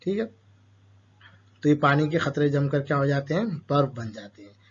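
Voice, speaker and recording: A man's voice: a little high, expressive, normal speed, breathy edge. A man teaching a school lesson to children, asking questions and answering them himself, with an Urdu-speaking Indian accent. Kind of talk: explaining a school chapter to children. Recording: dull lo-fi sound.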